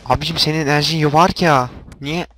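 A man's voice: a little high, fairly even intonation, fast talker, pushed and bright, slight background noise. A young man giving casual gameplay commentary, explaining machines and getting exasperated when they fail. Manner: exasperated, talks to game machines, frequent outbursts. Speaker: gameplay video host.

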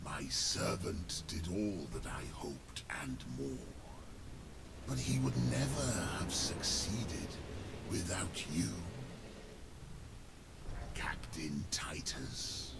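Gravelly, whispering chaos sorcerer villain. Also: male voice, sits low, big pitch swings, very noisy, heavily acted. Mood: cold, gloating. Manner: slow, gloating, menacing. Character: ancient male chaos sorcerer villain, cold, regal, gloating. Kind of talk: video game cutscene acting. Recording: loud game music behind.

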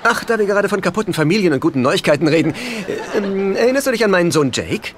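A man's voice: sits high, very animated, fast. An actor dubbing a whiny, flustered, freeloading middle-aged father in a sitcom, fussy and pleading. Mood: wheedling. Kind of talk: dubbed sitcom acting. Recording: sitcom soundtrack with noisy laughter behind.

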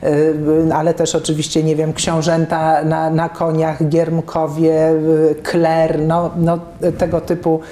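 A woman's voice: low-pitched, completely flat delivery, takes it slowly, hardly any pauses, warm tone, reverberant, a little hiss or hum. A woman in her fifties interviewing a guest, talking thoughtfully with many fillers and restarts. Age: 50s. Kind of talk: conversational interview. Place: office room with plants and bookshelves.

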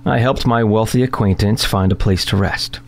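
A man playing a polite, wry young worker, narrating an audio drama in a measured first-person storytelling manner. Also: lowish voice, close to an everyday voice. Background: music under the voice.

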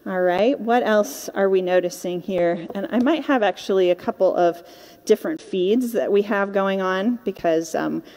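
A young woman delivers a sermon in a conversational style, moving between reading and informal explanation. Her pitch sits in a medium range for a woman. The long reverb of a hall surrounds her voice. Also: moderate pace, a little mellow. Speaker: preacher. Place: indoor stage with curtain backdrop.

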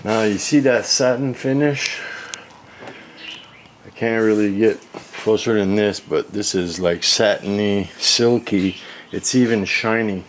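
A man's voice: on the low side, unhurried. A man giving a casual, folksy how-to narration while working in a garage workshop. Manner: folksy, informal. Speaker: host of a woodworking channel. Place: home garage workshop, indoors. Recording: clear background noise, workshop ambience.

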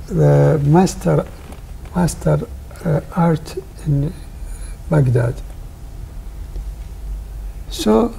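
An older man speaks very slowly in broken English, stopping often to find words. His voice is gravelly, dark and husky. He is miked on a lapel in a studio. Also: on the high side, low-quality recording. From Iraq. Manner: halting non-native English with frequent pauses. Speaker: guest artist. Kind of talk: interview answers. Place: television studio.

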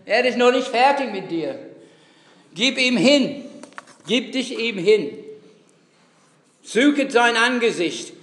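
A man's voice: very high voice, expressive, slow pace, long pauses, a bit bright. A man preaching a sermon in a church, emphatic and repeating his key phrases. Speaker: pastor. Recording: echoey church hall.

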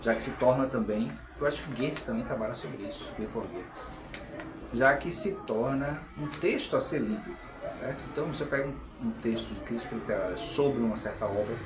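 A middle-aged Brazilian man giving an informal video lecture, conversational and often checking in with tag questions. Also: medium pitch. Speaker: channel host and philosophy explainer. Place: small tiled room, indoors. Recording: echoey room with clear background noise.

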